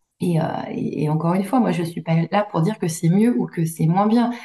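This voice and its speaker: Against noticeable background noise, a woman talks at a moderate pace with a fairly low pitch and ordinary pitch variation. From Normandy, France. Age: 40s. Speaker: association director. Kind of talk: interview.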